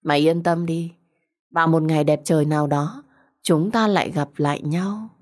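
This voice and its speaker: A cruel, two-faced young woman, acted out by a female storyteller, talks down to her victim in an audio story. Her voice sits a little low, and she is smug, taunting and thick with sarcasm. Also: fairly even intonation, normal speed, a little mellow, close to an everyday voice. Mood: sarcastic, taunting.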